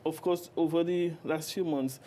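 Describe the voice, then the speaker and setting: A woman's voice: low voice, fairly even intonation, moderate pace, warm tone, slight background noise. A middle-aged woman with a Dominican Caribbean accent, giving formal answers as an official in an interview. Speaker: guest, social security official. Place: office, indoors. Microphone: lapel.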